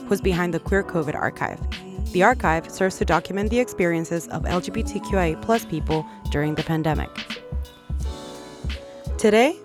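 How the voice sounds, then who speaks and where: Woman podcast host, low voice, clear informative intro, music underneath. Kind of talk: scripted podcast intro and chat.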